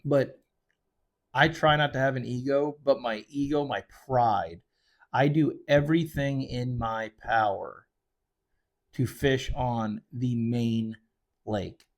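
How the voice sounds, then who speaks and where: A man's voice: mid-range voice, slow. Rambling man talking fishing. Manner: rambling, conversational, with frequent fillers and self-corrections. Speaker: fishing charter guide and show host. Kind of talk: casual solo commentary on a fishing tournament. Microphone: desk microphone.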